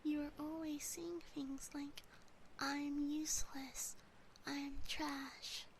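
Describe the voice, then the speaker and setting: A woman voicing a cute, fretful, adoring yandere demon sister in a soft, sweet, mostly whispered ASMR roleplay, close on a binaural microphone. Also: high-pitched, level tone, slow pace, a little hiss or hum. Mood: tender, insistent.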